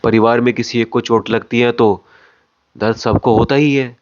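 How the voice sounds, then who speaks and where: A man's voice: mid-range voice, steady tone, close to an everyday voice. Man acting solemn factory heir, dull lo-fi audio. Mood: sad, grave. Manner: slow, solemn, deliberate phrasing. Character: factory owner's son, solemn, confident, addressing employees.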